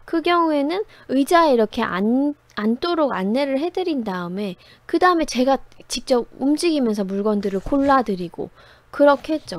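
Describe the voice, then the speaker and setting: Animated woman telling stories, high voice. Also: no echo. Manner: animated storyteller, conversational, laughs often. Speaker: writing instructor. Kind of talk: lively lecture with personal stories.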